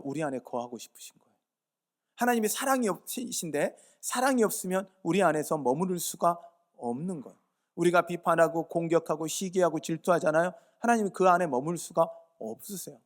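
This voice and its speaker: A pastor from Yeosu, South Korea, delivers a sermon during a church service, his voice on the high side. Earnest and urging, he presses the congregation and answers his own rhetorical questions.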